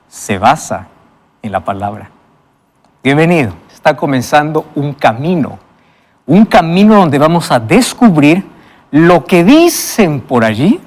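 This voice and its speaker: A man hosting a Bible study show in a studio, presenting with emphatic pauses and interviewing guests. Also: fairly high pitch, in a large hall. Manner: emphatic, with dramatic pauses and enthusiastic wows.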